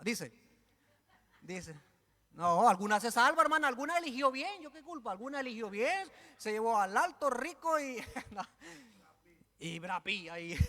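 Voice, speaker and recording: A man preaching a sermon in church, animated and joking with the congregation. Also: high voice, long reverb tail.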